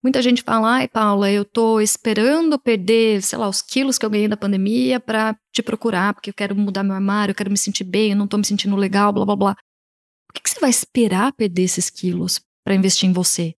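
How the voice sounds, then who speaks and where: A Brazilian woman with a Brazilian Portuguese accent, an image consultant answering interview questions in an animated way, often voicing what her clients say. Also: medium pitch, brisk. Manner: animated, talks in quoted client voices.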